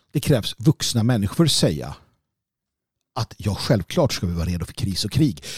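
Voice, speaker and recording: A man speaks with fairly low pitch and very wide pitch swings, somewhat breathy, in a dry, close sound with no echo on a very clean recording with a silent background. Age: 40s. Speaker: podcast host. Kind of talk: monologue commentary. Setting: home recording by a fireplace.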